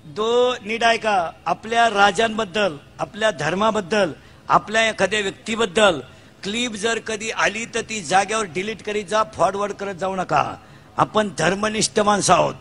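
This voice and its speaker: High, bright-voiced comic kirtan preacher man. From Maharashtra. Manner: rapid storytelling, acting out characters, shouting punchlines. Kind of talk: comic devotional sermon.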